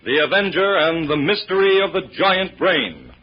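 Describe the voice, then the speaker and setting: A man's voice: high voice, big pitch swings, normal speed, loud music behind the voice. A man announcing a mystery show in dramatic, declamatory scripted 1940s radio narration. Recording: muffled, hissy old radio recording.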